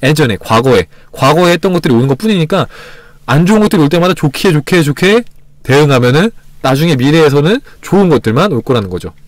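A man hosting a self-help livestream, chatting casually and acting out little scenes with sudden loud exclamations. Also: a little high, lively intonation, quick pace, dry recording. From Korea.

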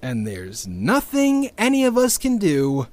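Actor for blunt, sardonic male doomsayer, audio drama; lightish higher voice, very expressive intonation. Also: unhurried, full character voice. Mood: bitter, resigned. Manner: dry, sarcastic, blunt. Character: bitter, sardonic doomsaying male team member.

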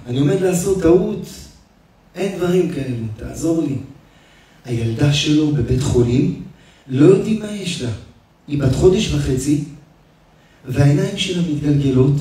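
A man, a rabbi, preaching an emotional sermon and telling stories, his delivery swinging between loud and hushed. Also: fairly high pitch. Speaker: rabbi giving a lesson. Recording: echoey hall, speaker far from the mic.

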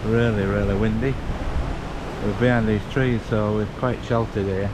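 A man's voice: lowish voice, fairly even intonation, moderate pace. A British man in his fifties chatting casually as a travel vlogger, speaking into a handheld camera outdoors. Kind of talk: casual vlog chat. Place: outdoors on a beach and at a campsite. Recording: windy outdoor camera audio, loud background noise.

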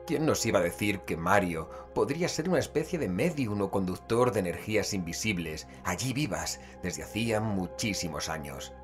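A man acting a deep-voiced, grave investigator narrator. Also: expressive, faint music behind, natural voice. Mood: grave, ominous. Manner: measured, grave, literary storytelling. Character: male investigator gravely recounting a cosmic horror expedition. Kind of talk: scripted audio drama narration.

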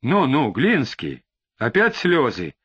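A man reading an audiobook, voicing a calm, disdainful male police detective who questions in a measured, patient way. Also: medium pitch, breathy edge, no room sound, lo-fi sound, full character voice.

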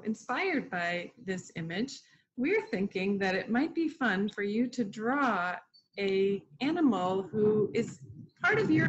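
A woman's voice: mid-range voice, slight background noise. A middle-aged woman presenting an informal educational art lesson for children from a room at home over a video call. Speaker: museum educator hosting an online art lesson. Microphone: computer mic on a video call. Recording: dull, lo-fi video call audio.

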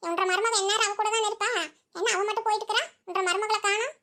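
A woman's voice: very high-pitched, steady tone, fast talker, pushed and bright. A woman voicing a nosy, scolding old village mother-in-law in a cartoon comedy, grumbling and bossy in Kongu Tamil.

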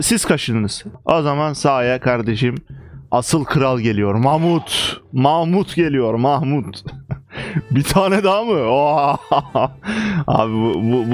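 A young man giving casual, excitable gameplay commentary, chanting quick commands at his units and joking about how the battle goes. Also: medium pitch, faint music behind. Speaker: gaming YouTuber.

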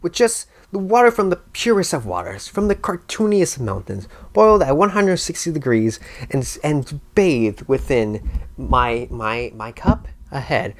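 A man's voice: medium pitch, sing-song, measured pace, voice pushed down. A man voicing an earnest, rambling cartoon cup in a comic dub, grandiose and repetitive like a salesman.

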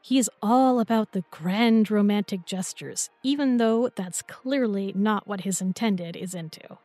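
A woman's voice: medium pitch, measured pace, mellow, no echo, natural voice. A young woman playing an affectionate, teasing new girlfriend in an intimate roleplay audio, with a playful, tender, coaxing manner. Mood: reassuring, affectionate.

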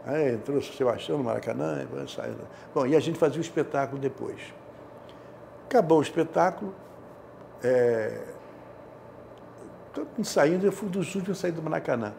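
Casting: man in his 70s, Rio accent, gravelly and mellow, casual storyteller in an interview. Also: mid-range voice, slight background noise. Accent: Brazilian, Rio de Janeiro. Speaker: interview guest, theatre director. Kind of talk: casual anecdotal interview talk. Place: indoor studio, seated. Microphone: lapel.

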